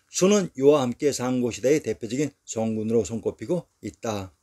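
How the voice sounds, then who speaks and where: A man reading a scripted history narration in an even, measured way, going through lists one by one. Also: medium pitch.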